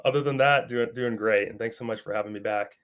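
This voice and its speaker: A man guesting on an interview show, his voice slightly raspy from a cold. He sounds friendly, laughs easily, and repeats words as he talks. His voice sits at an ordinary middle pitch. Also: steady tone, quick pace. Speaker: author guest.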